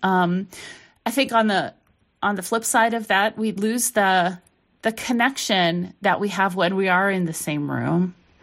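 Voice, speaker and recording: A woman talks at a fairly slow pace with medium pitch and ordinary pitch variation. It is an unremarkable speaking voice in a very clean recording with a silent background. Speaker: math professor. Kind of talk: interview conversation.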